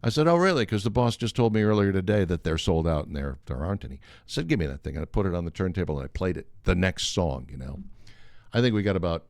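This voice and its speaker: A man's voice: deep voice, quick pace, gravelly, dry recording, clean studio sound. An older man telling a humorous anecdote in a casual, wry way, acting out the dialogue as he goes. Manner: animated, acts out quoted dialogue. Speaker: storyteller on a talk show.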